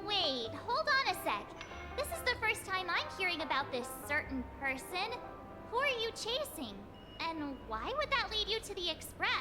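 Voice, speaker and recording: A woman voicing a perky, earnest young girl adventurer in an anime-style video game, chatty and expressive. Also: very high-pitched, moderate pace, over loud music. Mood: curious.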